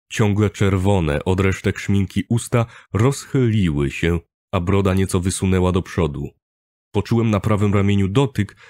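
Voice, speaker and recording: A man narrating a first-person audiobook in a steady, measured storytelling manner on a close studio mic. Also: low voice, dry recording.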